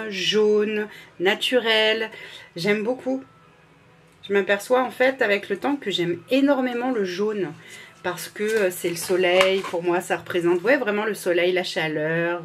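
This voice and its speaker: Her mid-range voice moves at a measured pace, and a little hiss or hum sits under it. The woman is a vlogger in gushing, casual chat who fumbles, apologizes and starts over while reading label names.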